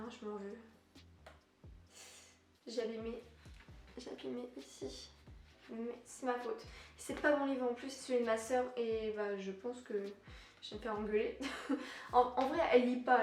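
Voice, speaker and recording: A young woman chatting casually about her books as a vlogger, self-deprecating and quick to laugh. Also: on the high side, a little mellow, recorded from a distance. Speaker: book vlogger. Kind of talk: casual book haul chat. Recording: echoey room.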